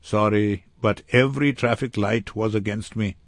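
A man's voice: fairly low pitch, fairly even intonation, normal speed, no room sound, studio quality, lightly acted. A man voicing an apologetic yet self-satisfied man in an audiobook, breezily making excuses for being late.

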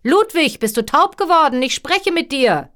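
Lady doing a bossy fairytale king dad, loud n exasperated, swoops up and down a lot. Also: mid-range voice, sing-song, measured pace, voice pushed up. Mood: shouting, impatient. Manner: loud, commanding, scolding. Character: exasperated, imperious fairy-tale king and father.

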